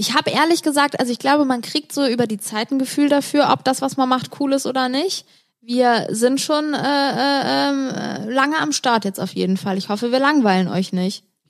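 Animated and high-pitched, a woman speaks at a moderate pace with ordinary pitch variation. She leaves hardly any pauses. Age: 20s. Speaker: YouTuber and podcast co-host. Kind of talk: casual chat. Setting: studio.

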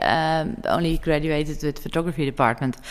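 Woman with a Dutch accent at a moderate pace. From Netherlands. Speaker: visual artist. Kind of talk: interview. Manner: halting.

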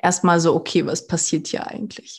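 Over a quiet background, a woman talks at a medium pitch. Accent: slight Swabian. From Germany, near Stuttgart (Swabia), Portuguese parents. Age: 30s. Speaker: women's coach. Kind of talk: interview.

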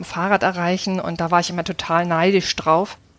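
A woman talks at medium pitch in a monotone, flat intonation. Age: 50s. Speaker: former bank employee changing careers. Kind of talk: interview.

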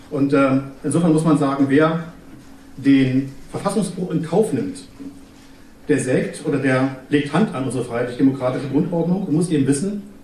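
At a moderate pace and with ordinary pitch variation, a man speaks with audible room echo. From Brandenburg, Teltow. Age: 50s. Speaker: politician. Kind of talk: campaign speech; interview.

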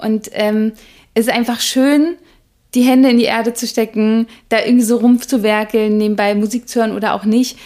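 A woman with a dark, mellow tone and a fairly high pitch speaks at a moderate pace in a monotone, flat way. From Germany, Berlin. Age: 30s. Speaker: journalist and author. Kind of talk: casual chat.

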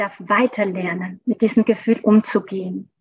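A woman talks in a somewhat breathy voice. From Switzerland. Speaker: early childhood educator and adult educator. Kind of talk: podcast interview.

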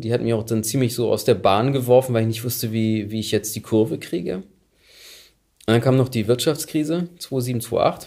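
A man speaks at a moderate pace in a dark, mellow tone, leaving long, frequent pauses. The recording is very clean, with a silent background. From northern Germany, Oldenburg. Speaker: actor and voice actor. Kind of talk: casual chat.

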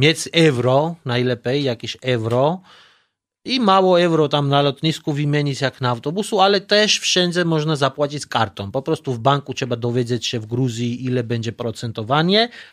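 Speaking with a Georgian accent, a man uses lively intonation in a very clean recording with a silent background. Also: fairly high pitch for a man, moderate pace. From Georgia, Tbilisi. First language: Georgian (speaking Polish). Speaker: restaurant owner and former tour guide. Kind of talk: casual interview. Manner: halting, with hesitations.

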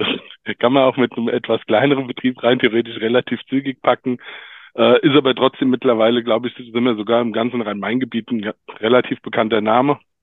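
Flat and monotone, a man speaks at medium pitch and a fairly quick pace. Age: 40s. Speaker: master roofer, business owner. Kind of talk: interview.

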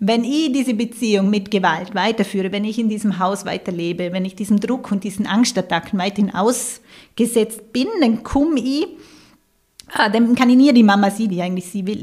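The woman's voice is somewhat breathy. She talks at a moderate pace, her pitch varying in an ordinary way. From Austria, Vorarlberg. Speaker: single mother and blogger. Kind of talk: interview.

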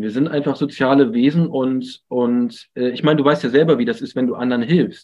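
A man with a plain, everyday voice speaks in a fairly high pitch with ordinary pitch variation. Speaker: traveller. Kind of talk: interview.

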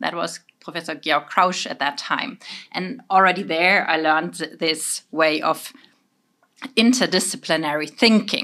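Speaking at a fairly slow pace, a woman with a German accent has a fairly low pitch and lively intonation. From Germany, Bayreuth (Bavaria). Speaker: chemistry professor. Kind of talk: interview. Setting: studio.

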